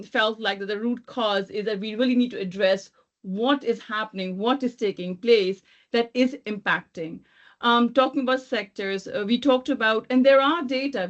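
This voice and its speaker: A woman from Thailand speaking off the cuff as a webinar panelist, haltingly, often rephrasing and circling back. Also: on the high side. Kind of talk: extemporaneous panel remarks. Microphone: video call. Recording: dull lo-fi video call.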